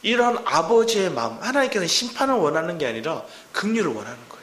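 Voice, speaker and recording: Male pastor, lively and fairly high voice, preaching with a roomy church echo. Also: quick pace. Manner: animated preaching, acting out quoted voices. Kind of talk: sermon. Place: church sanctuary. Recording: echoey church hall.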